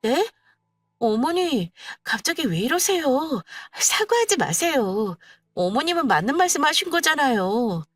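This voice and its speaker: A woman's voice: high voice, very animated, unhurried, fairly bright tone, no echo, soft background music, voice pushed up, full character voice. A woman doing a young daughter-in-law, sugary, teasing, mock-polite, bouncy intonation, dry close sound. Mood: mock-innocent. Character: young wife, sweetly sarcastic daughter-in-law.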